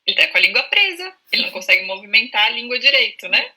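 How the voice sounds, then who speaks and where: A woman's voice: a little high, very animated, fast talker, pushed and bright, slightly rough. A woman with a Brazilian Portuguese accent, a speech-language therapist patiently explaining speech over a video call and sounding out examples. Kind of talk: explanatory interview answers.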